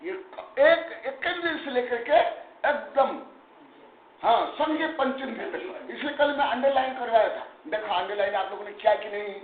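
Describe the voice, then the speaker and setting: A man's voice: very high-pitched, normal speed. A man teaching a scripture study class as a monk-teacher, emphatic and chiding, dropping English terms into his speech. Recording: echoey room, tinny phone-like sound, faint noise.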